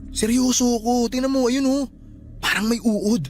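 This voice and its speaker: A man's voice: very high voice, steady tone, measured pace, a little mellow. An actor playing a superstitious young man at a wake in a radio drama. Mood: uneasy. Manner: casual, superstitious talk. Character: young man friend at a wake, jumpy, sees spirits. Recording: faint music under the voice.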